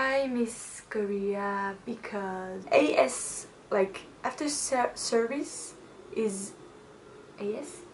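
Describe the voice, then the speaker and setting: With a French accent, a woman speaks at a very slow pace in a fairly high pitch, using lively intonation and long, frequent pauses over light background noise. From France. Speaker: YouTuber. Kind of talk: casual vlog monologue. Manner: hesitant, with filler sounds. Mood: playful, wistful. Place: home room. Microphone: phone near.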